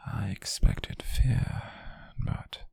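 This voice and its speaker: A British man playing a possessive, softly menacing rich captor in an intimate ASMR roleplay, murmuring in a breathy, husky voice with slow, coaxing deliberation. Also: no echo. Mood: intrigued, probing. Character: possessive, softly menacing wealthy male captor, obsessive and doting. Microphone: close microphone, dry.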